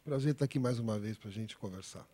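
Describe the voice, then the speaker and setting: A man's voice: lowish voice, quick pace, mellow, breathy edge. A man speaking as a sociologist guest on a studio panel talk show, methodical and argumentative. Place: studio table.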